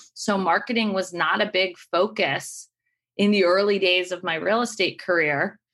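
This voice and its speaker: A woman with an American accent, medium pitch, moderate pace and fairly even intonation, a plain, everyday voice over a quiet background. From Oregon, US. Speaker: real estate team leader and coach. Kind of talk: interview.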